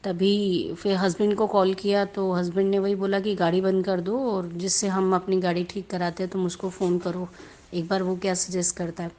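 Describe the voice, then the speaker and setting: A woman's voice: mid-range voice, flat delivery, moderate pace, darkish tone. A woman sharing a devotional testimony in a casual, chatty storytelling way, slipping English words into her Hindi and often restarting her sentences.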